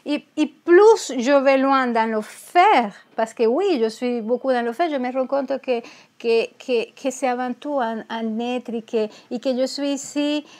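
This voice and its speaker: Speaking at a measured pace, this high-pitched woman with a darkish tone is a therapist from Venezuela, guesting in a candid interview. She talks earnestly in a Venezuelan Spanish accent, frequently starting her phrases over.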